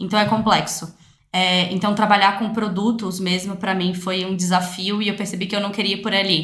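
This woman speaks in a medium pitch with monotone, flat intonation. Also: moderate pace. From Brazil, Brasília. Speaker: brand strategist. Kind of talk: casual interview.

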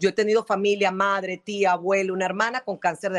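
A woman at medium pitch talks at a fairly quick pace with an unremarkable speaking voice. The sound is dry and close, with no echo. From Venezuela. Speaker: doctor, breast imaging specialist. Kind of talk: interview.

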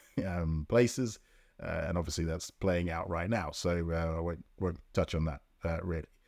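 With a London accent, a man talks in a very deep, low pitch and fairly even intonation on a very clean recording with a silent background. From south London (Lambeth). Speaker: business CEO. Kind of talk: interview conversation.

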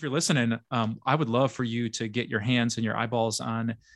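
On a very clean recording with a silent background, a man with a plain, everyday voice speaks at a medium pitch and a fairly quick pace. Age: 40s. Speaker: pastor and podcast host. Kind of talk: casual chat.

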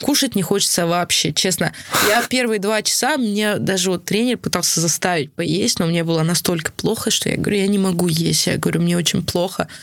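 A woman with a medium pitch and ordinary pitch variation talks at a fairly quick pace with very even loudness, amid noticeable background noise. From Moscow, Russia. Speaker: professional MMA fighter. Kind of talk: podcast interview. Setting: studio.

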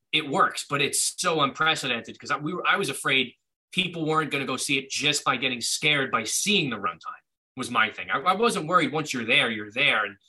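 A man with an American accent talks at a very fast pace. His medium-pitched voice has a bright, sharp tone. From New York City, Staten Island. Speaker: film producer. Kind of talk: interview.

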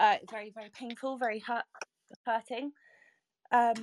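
A woman speaks with a British accent, her pitch high and its variation ordinary. The sound is dry and close, without any echo. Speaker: virtual assistant. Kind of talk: personal testimony. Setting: online audio room.

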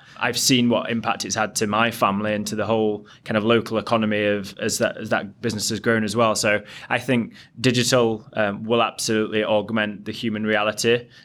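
A man with a Yorkshire accent, fairly low-pitched, flat and monotone, at a fairly quick pace over a very clean recording with a silent background. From Yorkshire, northern England. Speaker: business lending bank director. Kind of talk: panel discussion. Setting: office recording at bank headquarters.

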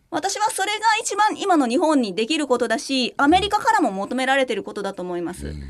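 Over noticeable background noise, a woman with a high pitch talks at a fairly quick pace, her pitch swinging very widely. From Osaka, Japan. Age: 40s. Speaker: economic commentator. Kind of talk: radio interview. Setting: studio.

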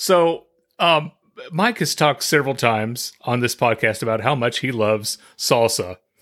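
A man with an unremarkable speaking voice talks at a moderate pace, with medium pitch and ordinary pitch variation. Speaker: podcast co-host. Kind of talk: casual chat.

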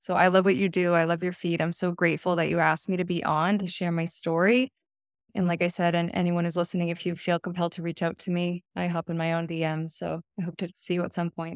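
A woman's fairly low voice at a very fast pace, in a dry, close sound with no echo, on a very clean recording with a silent background. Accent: American. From Boston area, US. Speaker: recovery guest sharing sobriety story. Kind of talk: casual interview.

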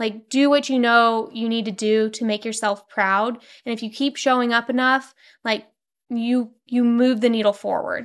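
Someone with an American accent speaks at a moderate pace in a flat monotone, recorded very cleanly against a silent background. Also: woman, fairly high pitch for a woman. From Kansas City, US Midwest. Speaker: CPA and marketing entrepreneur. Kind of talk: interview.

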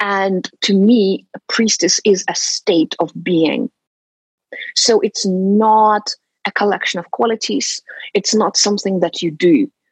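A woman's medium-pitched, somewhat breathy voice at a very slow pace, with ordinary pitch variation. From Russia, Moscow. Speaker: spiritual mentor and leadership coach. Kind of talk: interview.

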